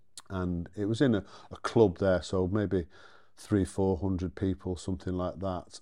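In a Mancunian accent, a man speaks at a moderate pace with a very deep, low pitch and a dark, mellow tone. His intonation is fairly even, and the background is quiet. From Manchester, England. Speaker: drummer and drum teacher. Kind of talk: casual interview. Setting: his drum studio.

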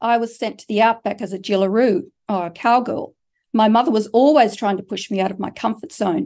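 A woman with an Australian accent, at a moderate pace. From Queensland, Australia. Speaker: trading educator. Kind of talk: webinar presentation.

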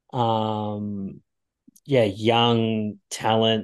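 With an Australian accent, a man speaks in a monotone, flat intonation against a quiet background. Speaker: golf caddie and golf enthusiast. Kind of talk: casual chat.

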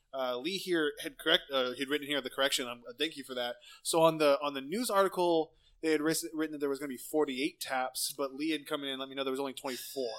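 A man with an American accent and a fairly high pitch talks at a very fast pace with fairly even intonation, in a very clean recording with a silent background. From California Central Valley. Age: 20s. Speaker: podcast host. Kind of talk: casual chat.

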